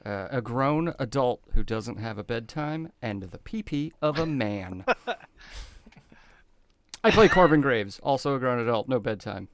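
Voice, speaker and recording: A man joking casually in a deadpan way as a player on a tabletop podcast. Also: medium pitch, unhurried, dry recording.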